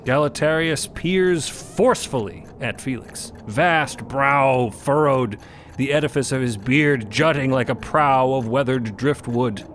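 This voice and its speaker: A man's voice: mid-range voice, a little slow, fairly bright tone, a little hiss or hum. A man reading scripted dramatic narration as the narrator of a fiction podcast. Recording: clear music bed behind.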